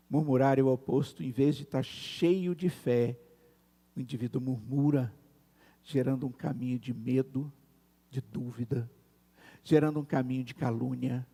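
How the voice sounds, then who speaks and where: A man with a Brazilian Portuguese accent preaching a sermon in a church, earnest and slowing down to stress key words. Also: mid-range voice, gravelly, mellow, slightly rough, in a large hall. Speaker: pastor. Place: church sanctuary.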